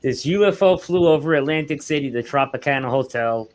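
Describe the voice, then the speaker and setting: A man's voice: on the high side, a little fast. Casual man telling a story. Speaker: livestream guest. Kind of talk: casual live chat.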